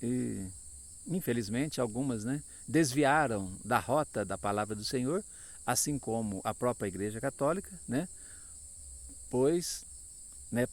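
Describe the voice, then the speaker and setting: A man preaching a sermon, speaking slowly and with emphasis, often asking listeners for an amen. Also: medium pitch, lively intonation.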